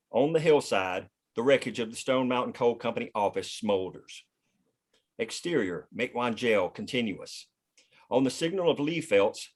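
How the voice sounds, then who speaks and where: A man reading scene headings and stage directions aloud as scripted narration at a table read. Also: mid-range voice.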